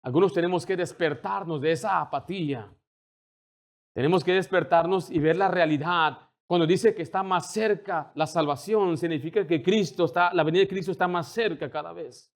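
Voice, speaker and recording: A man with a high-pitched voice delivers a sermon as a pastor. He builds in intensity as he goes and slips into the voices of the people he quotes. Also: moderate pace. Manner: preaching with rising intensity, acting out quoted dialogue.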